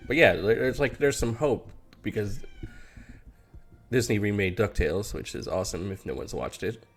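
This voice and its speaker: A man's voice: lowish voice, moderate pace. A man co-hosting a podcast in casual, jokey banter. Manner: jokey, swearing. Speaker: podcast co-host.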